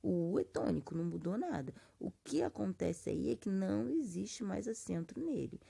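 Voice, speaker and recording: A woman's voice: medium pitch, big pitch swings, normal speed, vocal fry, mellow, breathy edge. A Brazilian woman teaching a grammar lesson, explaining patiently and drawing out example words syllable by syllable. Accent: Brazilian Portuguese. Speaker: Portuguese teacher. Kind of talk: classroom lesson.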